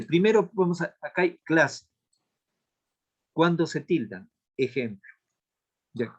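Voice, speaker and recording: A male language teacher giving a lesson on accent marks, explaining step by step and repeating key points. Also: medium pitch.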